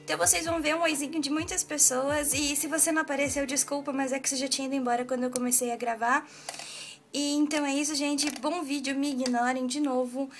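A woman's voice: high voice, flat delivery, fast. A young woman vlogging a fan meetup in a park, chatty and laughing as she films on her phone. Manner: chatty, laughs often, urging friends to say hi. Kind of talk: casual vlog chat. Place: outdoors in a park garden. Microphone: phone camera held by hand.

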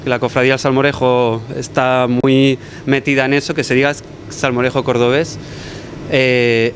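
A young man from Barcelona answers an interviewer's handheld mic in a restaurant kitchen. He talks in a relaxed, thoughtful way, often restarting his sentences. A faint hum of kitchen ambience sits behind him. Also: mid-range voice. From Barcelona, Spain. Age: young adult. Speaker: chef. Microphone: handheld mic held by interviewer.

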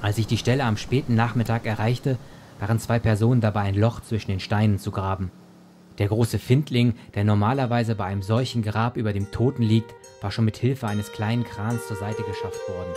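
A man's voice: fairly low pitch, steady tone, a little fast, darkish tone, soft background music, close to an everyday voice. An actor playing a polite, slightly awkward male doctor in a German audio drama, with a dry, educated manner. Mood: narrating.

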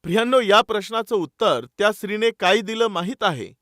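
A man's voice: sits high, a little fast, a bit bright, dry recording, studio quality. A man preaching a sermon, calling his listeners dear brothers and sisters and telling stories with quoted dialogue.

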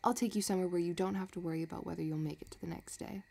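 A woman playing a possessive, scheming villain in a romantic audio roleplay, talking in a soft, teasing, calculating way. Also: lowish voice, steady tone, very fast, vocal fry, a little hiss or hum. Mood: intimate, possessive. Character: possessive, scheming female villain obsessed with her crush.

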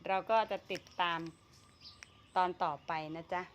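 A woman's voice: on the low side, little pitch movement, unhurried, a little hiss or hum. A woman vlogging about her home vegetable garden, chatting casually and talking to herself as she works. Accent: Thai. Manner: chatty, talks to herself while working, frequent fillers and laughs. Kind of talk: casual gardening vlog narration.

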